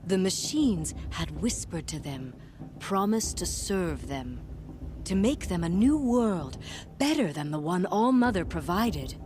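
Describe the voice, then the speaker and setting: An old tribal woman storyteller in a fantasy game. She speaks slowly and solemnly in a lowish voice, dropping into hushed dramatic asides. Noticeable ambient noise sits behind her. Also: big pitch swings. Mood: solemn, foreboding. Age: older. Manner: slow, measured, dramatic delivery with hushed asides. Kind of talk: theatrical storytelling.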